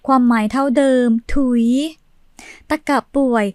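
A woman hosting a channel, reading viewer comments aloud in a steady voice with a short pause before each one. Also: high voice, no room sound. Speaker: channel host.

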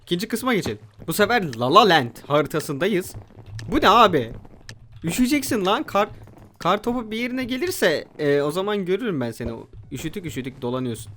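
A young man hosting his gaming channel, giving excitable let's play commentary and shouting at opponents. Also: high voice, fairly quick, slight background noise.

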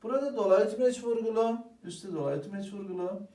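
His voice sits high and moves at a fairly quick clip as this Turkish teacher runs through grammar for an exam. Lively and friendly, he says "arkadaşlar" to his students and fields his own questions. The recording catches him off-mic and from afar, with an echoey room sound.

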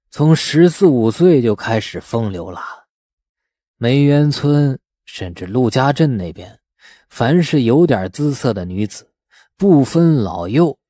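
A man voicing a bitter old village man who speaks in a slow, scornful drawl, for an audiobook. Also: mid-range voice, dark tone, no echo, studio quality. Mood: gloating, scornful. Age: older. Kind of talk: audiobook character acting.

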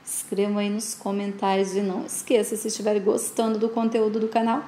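Woman briskly recapping a soap. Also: mid-range voice, monotone, dark tone, a little hiss or hum. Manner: brisk retelling, quoted lines voiced with some feeling. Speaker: channel host recapping a soap opera. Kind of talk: casual episode recap narration. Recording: roomy echo.

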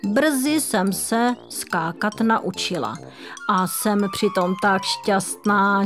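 Woman doing a friendly mama-ish squirrel, gentle and encouraging, kids' story. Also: mid-range voice, lightly acted. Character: cheerful, kind rust-red female squirrel. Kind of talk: children's audiobook reading.

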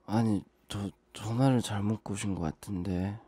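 A man acting out a late-night phone call with a stranger in a whispered role-play, speaking in a hushed, calm voice that turns urgent and reassuring. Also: on the low side, normal speed, husky.

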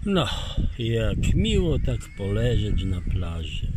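A man's voice: fairly low pitch, sing-song, slow. An older man acting a husband in a home radio play, genial and joking, in a noisy home recording. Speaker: husband on holiday.

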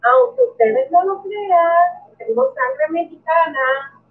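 A woman's voice: very high voice, lively intonation, takes it slowly. A middle-aged woman with a Puerto Rican accent hosts a live stream from her bedroom, chatting and greeting viewers by name. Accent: Puerto Rican Spanish. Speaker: coin collecting youtuber. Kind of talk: live stream chat reading comments. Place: bedroom at home. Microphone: webcam. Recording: tinny, distant webcam sound.

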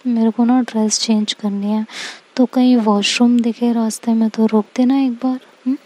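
Storyteller woman doing a teasing, coaxing young lover, higher, mellow voice. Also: level tone, normal speed, close to an everyday voice.

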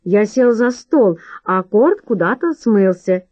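A woman voicing a stiff, quick-speaking husband. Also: mid-range voice, expressive, a little mellow, no room sound, muffled recording, voice pushed up. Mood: firm. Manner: quick, firm. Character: stiff, red-faced middle-aged husband.

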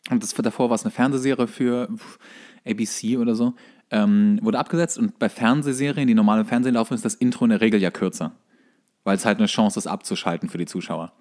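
A man's voice: lowish voice, quick pace, darkish tone. A man co-hosting a casual chat podcast, explaining things in a colloquial way. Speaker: podcast co-host. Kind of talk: casual chat about series.

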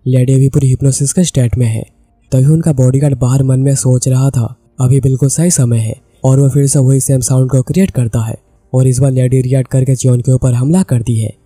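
A man with an Indian accent narrating a comic story recap, voicing the characters' lines in his own steady voice. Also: mid-range voice, breathy edge, no room sound. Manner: steady retelling, reads characters' lines in the same voice. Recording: dry close recording with soft background music.

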